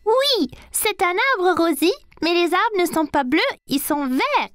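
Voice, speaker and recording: An actor playing an excitable, confident little boy in a children's cartoon dub, exclaiming proudly and playfully. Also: very high voice, a little slow, heavily acted. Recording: music behind the voice. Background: children's music.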